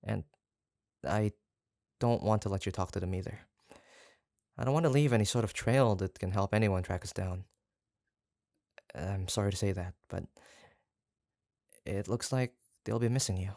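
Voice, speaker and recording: An actor playing an obsessive, doting yandere kidnapper in a roleplay audio drama, halting and coaxing, tender yet menacing. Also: sits low, darkish tone, dry recording, clean studio sound. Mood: apologetic, possessive. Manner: halting, gushing, coaxing, with nervous stammers. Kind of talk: roleplay audio drama, intimate one-sided monologue.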